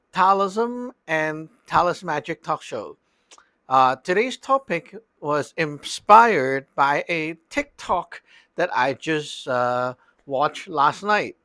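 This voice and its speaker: Slow-talking man teaching in a dry room. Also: a little high, sharp tone, clean tone, no room sound. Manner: loose and chatty, peppered with "like" and "okay?". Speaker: Taoist teacher. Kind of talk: casual spoken lesson.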